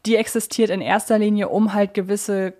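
A woman's voice: mid-range voice, level tone, moderate pace, warm tone. A woman hosting a podcast, talking in a conversational discussion style. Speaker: podcast host.

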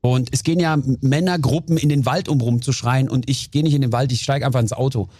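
A man guesting on a podcast, telling lively stories in casual chat and briefly acting out his own outbursts. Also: medium pitch, fast, breathy edge, no room sound, clean studio sound.

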